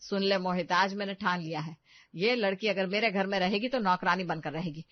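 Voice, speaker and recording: A woman's voice: mid-range voice, brisk, dry recording, muffled recording, natural voice. A woman voicing a strict, bossy middle-aged mother-in-law in a cartoon story. She scolds and gives orders. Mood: scolding. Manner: scolding, commanding. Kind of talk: Hindi cartoon story voice acting.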